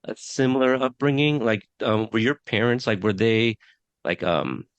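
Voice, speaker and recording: A man's voice: on the low side, normal speed, no echo. Casual male podcast host in his thirties, meandering and full of "um"s, dry lo-fi sound. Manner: rambling, many fillers and restarts. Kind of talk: casual interview chat.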